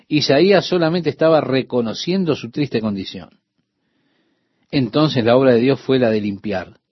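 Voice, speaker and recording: A man preaching a radio sermon, speaking straight to the listener and slowing down to stress key points. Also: mid-range voice, slightly rough, dry recording. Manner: addresses the listener directly, slows for emphasis. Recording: dull dry radio recording.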